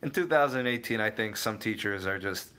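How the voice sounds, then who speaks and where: Young male livestream host, slightly low, bright tone; relaxed, meandering, talks straight to his chat. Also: a little fast. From Cleveland area, USA. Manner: rambling, self-correcting, answers viewers by name. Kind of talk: casual live chat reading viewer comments.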